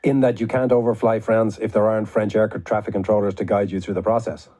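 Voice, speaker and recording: Low-pitched male radio host. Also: little pitch movement, fast talker, mellow. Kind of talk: broadcast interview.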